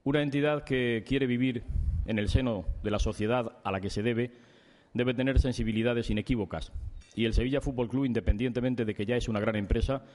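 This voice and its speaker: A middle-aged man giving a formal ceremonial speech at a podium microphone, measured and solemn, building his points in lists of phrases. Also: medium pitch, steady tone, a little mellow. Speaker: speaker at a club awards ceremony. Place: large indoor reception hall. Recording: reverberant hall via PA.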